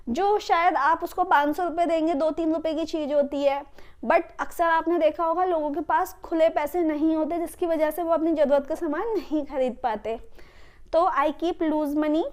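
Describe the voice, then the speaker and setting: An Indian woman teaching English phrases in a lesson, explaining patiently and repeating each phrase slowly. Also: high-pitched, a little mellow. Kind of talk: classroom-style spoken lesson.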